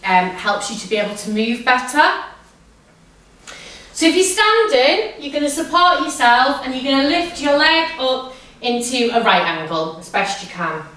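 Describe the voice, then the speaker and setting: High-voiced woman drama teacher, very echoey room. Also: a bit bright. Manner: encouraging drama-teacher delivery with simple, repeated instructions. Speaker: drama teacher leading a warm-up. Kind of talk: instructional, guiding a physical warm-up step by step. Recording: echoey room, distant microphone.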